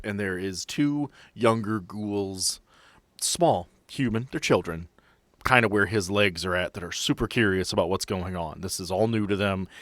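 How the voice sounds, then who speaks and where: A man's voice: on the low side, a bit bright, no echo. A man working as game master, improvising narration for a tabletop role-playing game.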